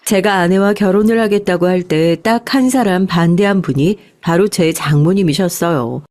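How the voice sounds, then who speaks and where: A woman's voice: lowish voice, moderate pace, darkish tone. Woman narrating a story. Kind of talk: scripted first-person story narration, read aloud.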